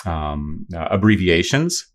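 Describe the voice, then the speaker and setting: A man's voice: low voice, sing-song, slow. A middle-aged man explaining voice science in an interview, thoughtful, with many fillers and restarts. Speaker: voice science expert.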